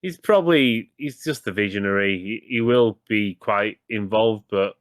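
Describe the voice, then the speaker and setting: A man's voice: on the low side, moderate pace, no echo, clean studio sound. A man co-hosting a gaming podcast, talking casually in rambling, self-correcting sentences and swearing now and then. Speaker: podcast co-host.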